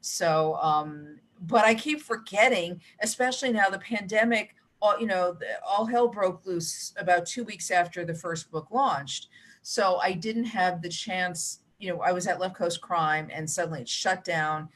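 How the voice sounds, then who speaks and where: A middle-aged American woman with a slightly low voice talks casually in an interview. She is chatty, drifting into asides as she tells her stories. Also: measured pace, a bit bright. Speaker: mystery author, guest. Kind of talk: casual interview chat about writing.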